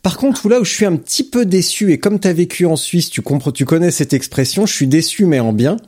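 A man in his thirties hosting an interview, teasing his guest in a relaxed, joking way. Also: sits high, brisk, husky. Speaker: podcast host, interviewer. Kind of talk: casual interview chat.

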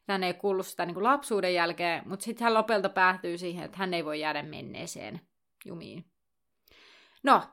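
A woman co-hosting a podcast, casually retelling a book chapter in a chatty way full of fillers. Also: medium pitch. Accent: Finnish. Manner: chatty, many fillers, lively summarizing. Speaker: podcast co-host.

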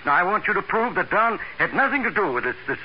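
A man's voice: high voice, sing-song, fast. An actor playing a fretful, self-important male company boss in a 1940s radio drama, formal and insistent. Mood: insistent, worried. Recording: muffled, hissy old radio recording.

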